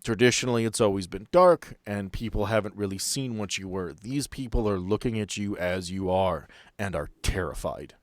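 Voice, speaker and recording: A man's voice: lowish voice, moderate pace, few pauses, no room sound. A man narrating a tabletop roleplaying game and explaining rules as game master.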